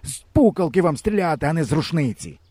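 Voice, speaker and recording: A man reading a storybook, voicing a gruff, bossy old village grandfather who scolds bluntly. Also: fairly high pitch, sing-song, normal speed, warm tone, no echo, pitched above the performer's own voice. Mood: scolding.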